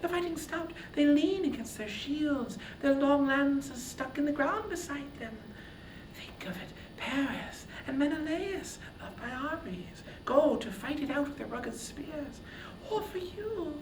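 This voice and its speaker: Man as disguised young goddess, breathy falsetto, hushed, coaxing, epic storytelling, echoey room, faint noise. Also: expressive, a little slow. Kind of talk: dramatic reading of ancient epic poetry. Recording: roomy echo, distant mic, faint noise.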